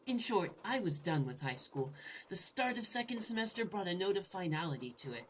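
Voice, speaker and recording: A woman's voice: fairly low pitch, very animated, a little fast, slight background noise, rough recording. A woman hosting a gaming video, playfully reading the script aloud and commenting with irreverent, sudden exclamations. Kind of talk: let's play commentary, joking read-aloud narration.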